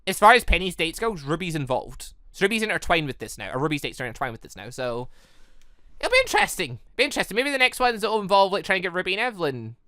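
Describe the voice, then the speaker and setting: A man's voice: sits high, big pitch swings, fast talker, pushed and bright, no echo, studio quality. A man giving casual, rambling let's-play commentary as a gaming host, often repeating and rephrasing himself.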